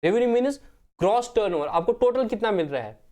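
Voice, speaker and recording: A man's voice: high voice, animated, fast talker, dark tone. A man teaches an accounting lesson from the board. He drills key terms through repetition and answers his own questions, speaking to his students as friends. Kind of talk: classroom lecture, Hindi mixed with English terms.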